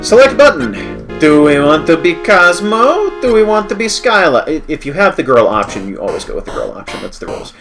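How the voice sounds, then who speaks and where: A man's voice: fairly high pitch, sing-song, brisk, over music. A man hosting a game livestream, stuffy from a cold, with wry, self-correcting commentary as he thinks aloud. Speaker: livestream host playing a game. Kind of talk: let's-play commentary.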